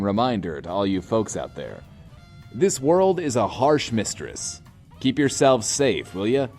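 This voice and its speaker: A folksy, low-voiced radio host. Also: male voice, darkish tone. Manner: folksy, showy, sincere. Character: folksy, self-promoting male post-apocalyptic radio show host. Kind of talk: audio drama acting as radio DJ.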